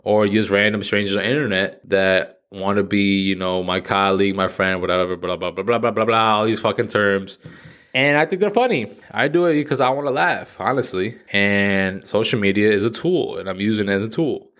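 A man in his thirties talking casually and profanely to his audience in an animated, slangy rant. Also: fairly low pitch, brisk. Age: 30s. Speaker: vlogger. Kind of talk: casual monologue to camera.

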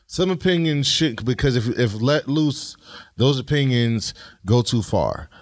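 A man's voice: medium pitch, lively intonation, measured pace, no room sound, studio quality. A man with an African American New York accent in casual podcast chat, slangy, profane and outspoken. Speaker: podcast co-host.

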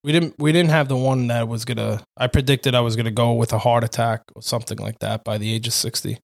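A man's voice: medium pitch, fairly even intonation, quick pace, gravelly. A man co-hosting a podcast, chatting casually in a laid-back, slangy way with some swearing. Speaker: podcast co-host. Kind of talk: casual chat with a friend.

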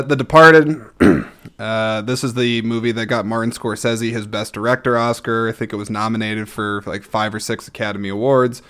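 A man with a fairly low, smooth and resonant voice gives casual solo commentary as a host. He is chatty and enthusiastic, talking in a loose, rambling style. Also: fairly bright tone. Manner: enthusiastic, chatty, frequent throat-clearing. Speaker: host reviewing own movie collection.

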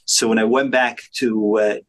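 An Egyptian pathologist in his fifties, appearing as a podcast guest, talks through his career in a conversational interview. His voice is lowish with fairly even intonation at a normal speed, and he sounds thoughtful, with plenty of fillers and restarts.

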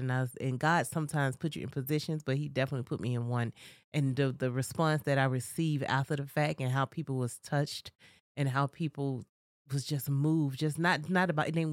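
A woman's voice: rumbling low, no echo, studio quality. A woman co-hosting a podcast, chatting casually and telling rambling stories with laughs. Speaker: podcast co-host. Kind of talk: casual chat.

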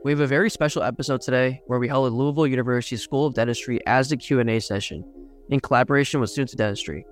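A man's voice: medium pitch, steady tone, soft background music. A man hosting a podcast, reading a scripted intro and a list of guests by name and title. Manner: brisk, reads names and titles in a list. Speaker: podcast host.

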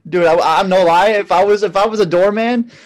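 A man with a notably high voice, chatting on a podcast. He rambles through a story in easy slang and trails off into "you know" and "like". His delivery is loose and unhurried. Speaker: podcast co-host. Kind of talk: casual chat.

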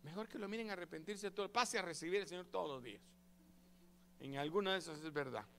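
A man preaching a sermon as pastor, lively and acting out the prayers he describes. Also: high voice, quick pace, a little hiss or hum. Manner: animated, acts out quoted prayers and voices.

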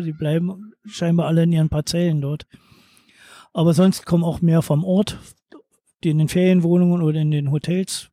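A man from eastern Germany talks about his beach bar at an unhurried pace. His voice sits a little high but sounds mellow and soft-edged. The recording is dry and close, with no room sound. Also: no room sound. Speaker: beach bar and holiday flat owner. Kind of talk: interview answers.

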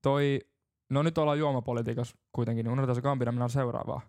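Gravelly-voiced young man, joking. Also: mid-range voice, fairly even intonation, a little mellow, dry recording. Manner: rambling, teasing, laughs easily. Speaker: podcast co-host. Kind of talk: casual banter.

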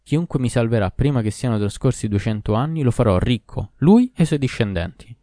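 A man's voice: mid-range voice, animated, fairly quick, mellow, dry recording, clean studio sound, lightly acted. A man voicing a proud and cruel ancient male jinn in a storybook reading, in a solemn, declaiming manner. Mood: menacing.

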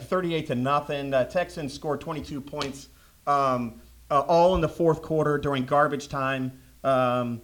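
A man's voice: on the high side, a bit bright. Passionate man ranting about sports. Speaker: podcast host. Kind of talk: casual sports talk.

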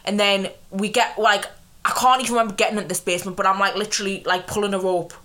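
An English woman co-hosting a podcast, telling animated stories in casual chat while congested with a cold. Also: medium pitch, fast. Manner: animated storytelling, swears. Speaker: podcast co-host.

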